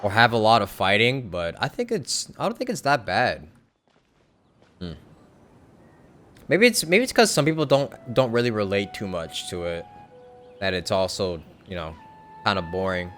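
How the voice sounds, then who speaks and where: A male streamer reacting casually to a game, blunt and rambling, often restarting his sentences. His fairly low voice rises and falls a lot, with faint game music behind him. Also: sing-song, moderate pace, long pauses, a bit bright. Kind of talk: casual live-stream commentary over a game.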